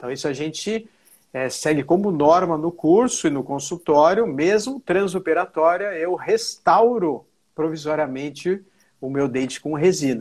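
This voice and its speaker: Here is a normal speaking voice from a man. He talks at a fairly slow pace with lively intonation. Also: fairly high pitch for a man. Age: 50s. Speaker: dental professor. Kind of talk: expert interview. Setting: online live stream.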